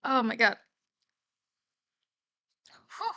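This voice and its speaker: A woman's voice: on the high side, big pitch swings, drawn-out words, bright, forceful tone, highs cut off. A woman livestreamer giving casual, candid reaction commentary, musing aloud as she goes.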